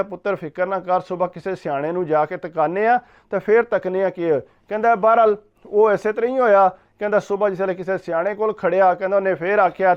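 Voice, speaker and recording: A man with a Pakistani Punjabi accent retells a ghost story, putting "he said" before nearly every line. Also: sits high. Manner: repeats "he said" before each line of the tale. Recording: dull, lo-fi recording.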